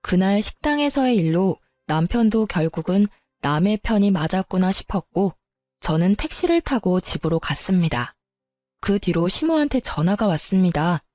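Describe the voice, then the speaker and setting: A woman telling a first-person story in a plain, steady manner. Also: medium pitch, moderate pace, no room sound, faint music behind.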